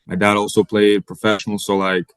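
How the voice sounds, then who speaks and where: A young man from Bosnia, Bosnian native, speaking English as a college basketball player in an interview, halting and repeating words as he searches for them. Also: lowish voice, flat delivery, smooth, no room sound. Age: young adult. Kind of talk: interview answers.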